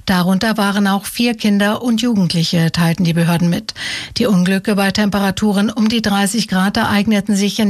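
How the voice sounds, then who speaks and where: Measured woman newsreader. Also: medium pitch. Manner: measured, neutral. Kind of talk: scripted news reading.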